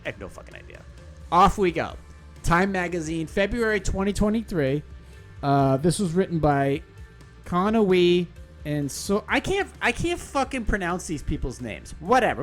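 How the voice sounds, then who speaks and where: A man hosts a podcast in a loose, sarcastic way, cursing freely and correcting himself as he reads. His voice sits a little higher than most men's. Soft music plays faintly under him. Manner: sarcastic, profane, rambling with self-corrections. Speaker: podcast host. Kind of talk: casual commentary, reading an article aloud.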